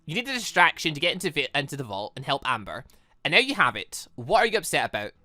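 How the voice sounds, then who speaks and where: A man's voice: on the high side, sing-song, fast, bright, forceful tone, no echo, soft background music, heavily acted. A man reading a defensive, stubborn young girl who plays down danger in a visual novel.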